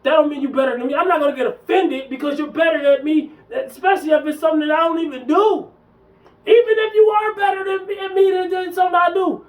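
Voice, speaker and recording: A man's voice: very high-pitched, far from the mic, poor audio. A man in his early forties delivering an emphatic, slangy rant to camera about gym culture and lifting, repeating himself for emphasis. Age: 40s. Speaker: fitness vlogger. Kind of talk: casual ranting monologue.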